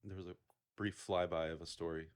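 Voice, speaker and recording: A man's voice: sits low, fairly even intonation, fairly quick. A man co-hosting a casual podcast chat, making dry sarcastic quips. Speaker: podcast co-host.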